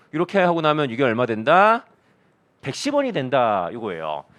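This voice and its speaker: A man in his thirties teaching an online accounting lecture, playful and jokey, acting out little quoted scenes. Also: on the high side. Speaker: accounting instructor.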